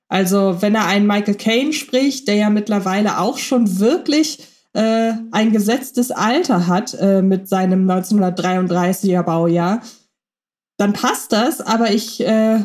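A woman's voice: mid-range voice, darkish tone. A woman co-hosting a podcast about radio plays, chatting casually with many fillers and restarts. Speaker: podcast co-host.

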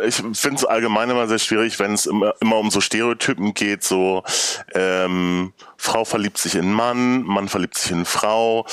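A man's voice: fairly low pitch, a bit bright, clean tone, no echo, clean studio sound. A man talking casually as a podcast guest, somewhat hesitant as he thinks aloud. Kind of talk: casual conversational talk.

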